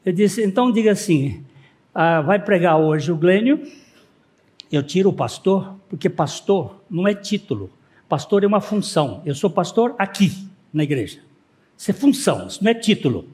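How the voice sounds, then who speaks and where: Lively high-pitched pastor. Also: male voice, moderate pace. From Northeast Brazil. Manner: rhetorical questions and anecdotes told with dry humor. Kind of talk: sermon. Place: church sanctuary.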